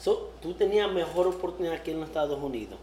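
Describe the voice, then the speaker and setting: A woman's voice: low voice, animated, quick pace, warm tone. Chatty woman host in an echoey room. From United States. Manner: repeats words often, laughs easily. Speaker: podcast host. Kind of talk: casual interview. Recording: echoey room with faint noise.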